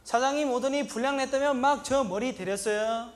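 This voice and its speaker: High-voiced naive migrant worker Blanca. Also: male voice, moderate pace. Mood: plaintive. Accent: Sri Lankan. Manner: broken, simple Korean sentences; shouted indignant catchphrase. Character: naive young male migrant worker, earnest, put-upon. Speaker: comedian. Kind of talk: stand-up comedy monologue.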